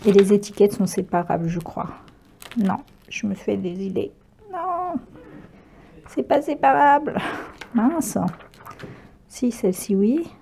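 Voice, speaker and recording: Woman doing a craft haul vlog, lots of euh and restarts, warm mellow voice. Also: mid-range voice, slow pace, vocal fry, long pauses, a little hiss or hum. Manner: chatty, hesitant, many fillers and self-corrections, laughs easily. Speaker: craft vlogger. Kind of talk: casual unboxing chat.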